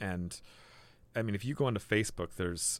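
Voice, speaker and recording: A man with a Canadian accent and a plain, everyday voice speaks at a fairly low pitch and a moderate pace, with ordinary pitch variation. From western Canada. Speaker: filmmaker. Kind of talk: casual chat.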